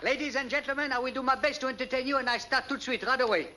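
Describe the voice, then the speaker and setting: A booming foreign stage magician. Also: male voice, very fast, heavy background noise. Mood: theatrical. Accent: foreign, broken English. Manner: booming showman patter. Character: showy foreign stage magician, grand and theatrical. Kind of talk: 1930s film acting. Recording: echoey old film soundtrack.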